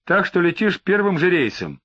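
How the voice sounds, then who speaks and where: A man's voice: sits high, very animated, muffled recording, pitched above the performer's own voice. A man doing a stern police chief. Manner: brisk, commanding.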